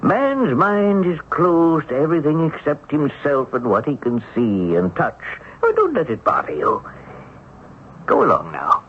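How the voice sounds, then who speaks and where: An actor playing a kindly, folksy old ghost in a radio drama, reassuring and unhurried. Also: male voice, fairly high pitch, huge pitch swings. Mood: patient, reassuring. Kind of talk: 1970s radio drama acting. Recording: phone-like band, noisy old radio recording.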